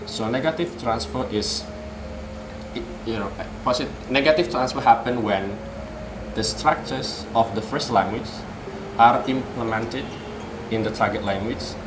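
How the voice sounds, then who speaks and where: A man's voice: medium pitch, unhurried, echoey room, noisy background. A young adult man with an Indonesian accent, an English teacher patiently explaining grammar ideas and answering his own questions in a casual interview outdoors. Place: outdoor patio with trees. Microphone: studio mic on a stand.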